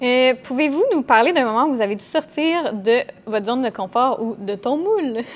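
Lively intonation at a moderate pace over noticeable background noise. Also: woman, high pitch for a woman. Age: 20s. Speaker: podcast host and artisan entrepreneur. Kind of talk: casual interview chat; scripted intro and outro. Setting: her workshop.

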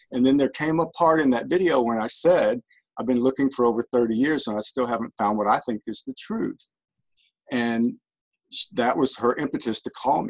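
The sound is dry and close with no echo as a man speaks at a medium pitch and moderate pace, with ordinary pitch variation. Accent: East Texas. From US South, East Texas. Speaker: near-death experiencer, Navy veteran. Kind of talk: interview testimony.

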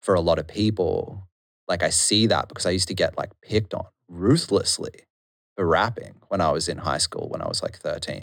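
This recording is very clean, and the background is silent. A man talks at a moderate pace with an Australian accent. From Australia, Queensland (Noosa). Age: 30s. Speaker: rapper. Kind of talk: casual interview chat.

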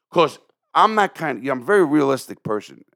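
A man speaks in an animated tone. The sound is dry and close, with no echo. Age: 60s. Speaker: podcast host, former prisoner. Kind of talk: casual chat.

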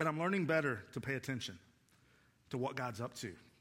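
A man speaks at a medium pitch with ordinary pitch variation, and room echo is audible. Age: 40s. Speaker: pastor. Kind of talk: sermon. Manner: animated.

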